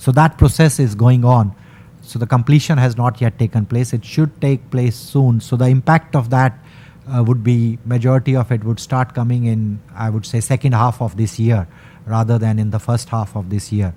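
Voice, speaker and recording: Somewhat breathy male speech in a dark, mellow tone, medium-pitched, with fairly even intonation and a moderate pace. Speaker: company executive presenting to investors. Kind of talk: investor presentation Q&A. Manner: hesitant with many filler uhs.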